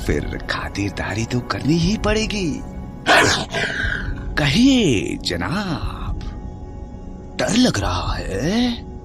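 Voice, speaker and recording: Crazy mocking vampire, theatrical n whispery, voice jumps all over, music behind. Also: male voice, medium pitch, huge pitch swings, extremely slow, pauses often, heavily acted. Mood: mocking, menacing. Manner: theatrical, drawn out, breaking into whispers. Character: mocking, unhinged vampire villain playing cruel host. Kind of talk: Hindi horror audio drama acting.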